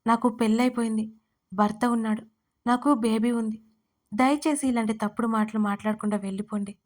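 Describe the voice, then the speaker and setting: A woman's voice: on the high side, steady tone, a little fast, a little mellow, natural voice. A woman voicing a married young woman who speaks bluntly, coldly and with sarcasm. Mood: scornful.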